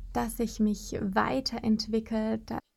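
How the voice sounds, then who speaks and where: A dark, mellow, somewhat breathy female voice, fairly high in pitch. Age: 20s. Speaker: nurse, yoga teacher and coach. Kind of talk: recorded interview answers.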